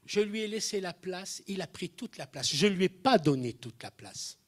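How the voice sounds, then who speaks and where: In a high-pitched voice at a moderate pace, a man preaches a funny, story-driven sermon to his congregation. He's lively, voices the characters he quotes, and his loudness leaps up at moments.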